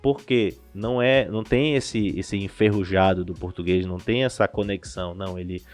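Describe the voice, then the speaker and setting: A man's voice: sits low, normal speed, faint music behind. A Brazilian man, a language school director, explaining things in a casual podcast interview, restarting his sentences often. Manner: animated explainer with frequent restarts.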